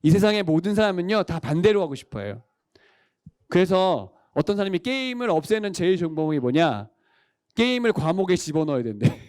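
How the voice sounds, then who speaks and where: A man's voice: sits high, sing-song, brisk, darkish tone, clear, resonant tone, no echo, studio quality. A male pastor preaching a sermon, quizzing the congregation and calling for amens. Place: church worship service.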